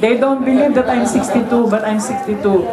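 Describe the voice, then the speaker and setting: A woman's voice: on the high side, steady tone, a little fast, over a noisy crowd. Filipino woman in her sixties, chatty. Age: 60s. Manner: chatty, mixes Tagalog fillers into English. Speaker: event host. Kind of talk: casual remarks at a party. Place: crowded living room at a party. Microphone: handheld microphone. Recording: roomy room.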